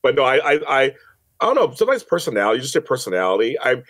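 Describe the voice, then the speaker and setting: Rapid-fire and a bit bright, this man's mid-range, sing-song voice carries casual interview talk. An audio drama producer and director on a podcast, he speaks emphatically, repeats phrases, and acts out quotes.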